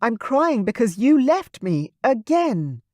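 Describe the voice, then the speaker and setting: An audiobook reader voicing a pregnant young woman who is emotional and quick to anger, in a raised, intense voice. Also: big pitch swings, dry recording, clean studio sound. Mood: furious. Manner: high-pitched, intense, loud. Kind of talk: audiobook character voice.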